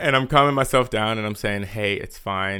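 This man has an ordinary speaking voice with an American accent, moving at a fairly quick pace with ordinary pitch variation. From Brooklyn, New York. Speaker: military service member, meditation practitioner. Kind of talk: casual interview.

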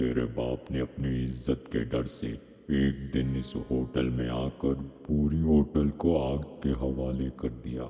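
Doing a put-on character voice, a man speaks very deep and low at a fairly slow pace, with clear background noise and clear echo. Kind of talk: horror audio drama. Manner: bitter, accusing.

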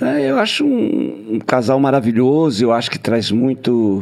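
A man speaks at a fairly slow pace with lively intonation. Noticeable background noise is present. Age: 70s. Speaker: actor. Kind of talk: casual chat.

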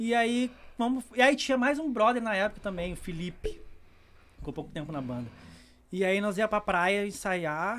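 A man's high voice at a moderate pace, lively in intonation and broken by long, frequent pauses, on a very clean recording over a silent background. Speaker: musician in reggae band. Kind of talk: casual interview chat.

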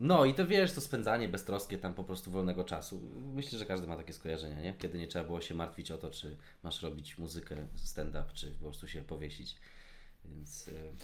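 A man with a very deep, low voice talks at a fairly quick pace with lively intonation. His loudness swings widely, and room echo is audible. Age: 20s. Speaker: comedian. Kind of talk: casual chat.

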